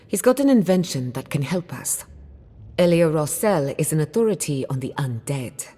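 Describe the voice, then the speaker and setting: An actress playing a proud, sharp-tongued outcast woman scholar in dramatic video game dialogue, articulate, assertive and wry. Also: low-pitched, very animated, normal speed, breathy edge, heavily acted. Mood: determined.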